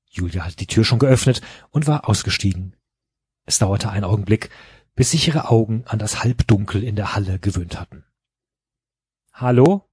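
A man's voice: on the low side, breathy edge, dry recording, studio quality. A man co-hosting a football podcast, reading a novel aloud with playful character voices and joking between passages. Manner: reads with playful voices for the characters, breaks off to joke and laugh. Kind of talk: casual chat with dramatized reading.

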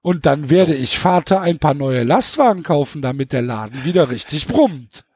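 A man's voice: fairly high pitch, expressive, moderate pace, a little mellow, slightly rough, dry recording, clean studio sound. A man reading aloud the lines of an ambitious young footballer son, defensive and eager.

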